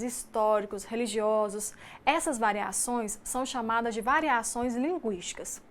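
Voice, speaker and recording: A woman with a Mineiro Brazilian accent, a teacher giving a recorded distance-learning lecture in a measured, explanatory way, reading lists item by item. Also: a little high. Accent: Mineiro Brazilian Portuguese. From Minas Gerais, Brazil.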